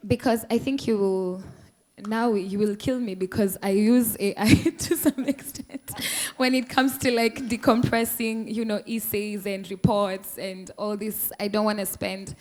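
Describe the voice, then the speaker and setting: A woman's voice: mid-range voice, steady tone, a little slow, darkish tone. A woman speaking as a musician on a panel, earnest and impassioned. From Kenya. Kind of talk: panel discussion remarks.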